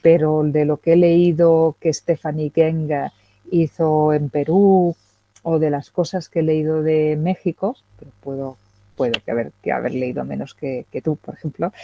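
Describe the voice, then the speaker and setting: A woman's voice: low-pitched, fairly even intonation, normal speed, no echo. Woman lecturing hesitantly over lo-fi call. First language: Spanish. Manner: hesitant, many fillers and checking questions. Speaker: guest lecturer. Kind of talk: academic lecture with questions. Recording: dull lo-fi video call audio.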